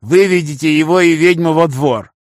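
A man voicing an arrogant, cruel man of about forty in an audiobook, making slow, loud threats. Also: a little high, no room sound, studio quality, pitched above the performer's own voice, close to an everyday voice. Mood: commanding. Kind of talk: audiobook character reading.

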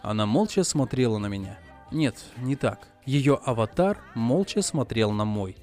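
A young man narrating an audiobook in first person, voicing his own lines in expressive dialogue. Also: mid-range voice, normal speed, faint music behind. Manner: expressive, moving from quiet narration to heated outbursts.

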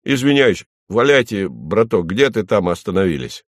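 A man voicing a blunt, boorish middle-aged male official who talks gruffly and plainly. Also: on the low side, sing-song, normal speed, dry recording, studio quality. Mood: grumbling.

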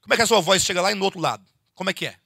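Animated Brazilian preacher, gravelly and bright. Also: male voice, high voice, very fast, dry recording, clean studio sound. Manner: animated, rhetorical questions, addresses listeners as "queridos". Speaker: bishop teaching a Bible study. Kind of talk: conversational sermon to a congregation. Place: church meeting hall.

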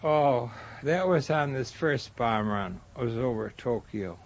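A man's voice: medium pitch, slow. An older American man, a war veteran, reminiscing casually and acting out remembered exchanges as he tells his story. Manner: animated storyteller, acts out remembered dialogue. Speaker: war veteran, former bomber crew member. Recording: dull lo-fi interview recording, faint noise.

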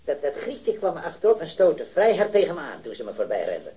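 Through a muffled recording, a man with a fairly high, dark voice and wildly swooping pitch acts a robbery eyewitness for a 1970s radio drama. The character, an eager but hesitant metal worker in his early thirties, stammers, halts, and repeats himself, sounding unsure and rambling.

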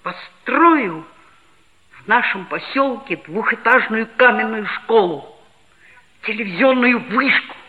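A woman's voice: a little high, lively intonation, takes it slowly. A woman playing a chatty, teasing red-haired schoolboy who narrates, in 1960s radio drama style. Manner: teasing, needling questions. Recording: tinny old 1960s radio recording.

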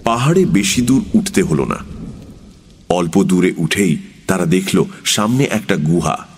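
Audiobook narrator: man, deep, slow, steady storytelling. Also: breathy edge. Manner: measured, unhurried storytelling.

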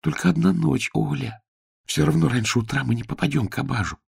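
A man's voice: mid-range voice, brisk, creaky, husky, dry recording, clean studio sound, voice pushed up, full character voice. A man voicing a young girl disguised as a page boy, talking eagerly and pleading with her friend.

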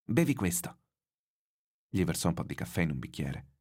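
A man reading a novel aloud in measured, expressive literary narration. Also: extremely low pitch, slightly rough.

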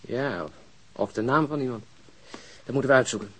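An actor playing a quiet, protective man in a radio crime drama, with a husky voice and a gentle, restrained manner. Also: mid-range voice, a little fast, lightly acted, rough recording. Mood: probing.

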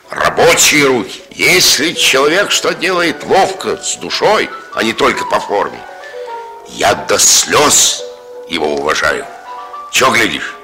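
Blunt, folksy working man with a bright, lively voice. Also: lowish voice, heavily acted. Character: blunt working-class man lecturing about honest labour. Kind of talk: 1960s radio drama acting.

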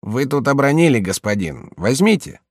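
A man's voice: big pitch swings, normal speed, no echo, clean studio sound, close to an everyday voice. A man voicing a fretful older servant in a read-aloud tale, in a raised, fussing voice. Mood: helpful. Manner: high, fussing, chiding.

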